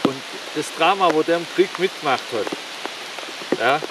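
A man in his forties talking casually to camera in a forest, rambling and halting. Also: animated. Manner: rambling, halting with many fillers; louder and higher while demonstrating strikes. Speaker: martial arts YouTuber. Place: forest, outdoors. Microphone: camera on the ground, several meters off. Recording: distant camera mic with rain hiss.

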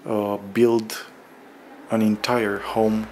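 A man narrates a casual vlog in a low voice with a lot of fry. He speaks very slowly and hesitantly, pausing often. He is recorded indoors on a handheld camera, with some background noise. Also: flat delivery, a little mellow. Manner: halting, hesitant delivery with drawn-out pauses. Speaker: vlogger. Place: bare room under renovation, indoors, windows open.

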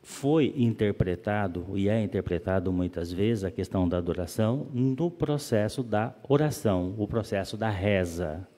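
A man giving a calm, explanatory spiritist lecture, often asking rhetorical questions. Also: fairly low pitch, normal speed, hardly any pauses. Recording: long reverb of a hall.

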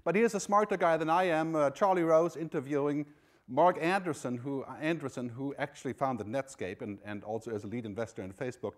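Man, from Germany, keynote speaker, large hall, stage mic, middle pitch, conversational, lots of "you know" and "right?". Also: fairly quick. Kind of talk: conference keynote talk.

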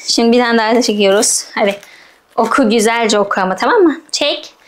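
A primary school teacher with a fairly high female voice gives first graders a slow phonics lesson, speaking fairly quickly. She patiently sounds out syllables, repeating them many times, and gently coaxes the child, addressing them directly.

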